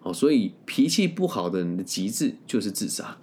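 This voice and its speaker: A man's voice: lowish voice, very animated, darkish tone, husky. A man, talking as a career-planning coach. He tells the story in a casual, straight-talking monologue and caps his sentences with lingering particles. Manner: blunt and candid, tags sentences with drawn-out particles.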